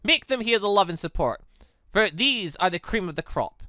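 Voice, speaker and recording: A grandiose tournament announcer acted by a man reading a visual novel, booming and ceremonial. The voice is bright and raised, with big sweeps of pitch. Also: animated, normal speed, no room sound, studio quality. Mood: rousing. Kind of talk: visual novel read-aloud.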